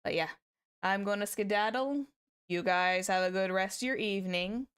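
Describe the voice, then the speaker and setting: A woman streaming casually to her viewers, chatty and repeating herself, her voice slightly hoarse. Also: mid-range voice, moderate pace, fairly bright tone. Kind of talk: casual livestream chat.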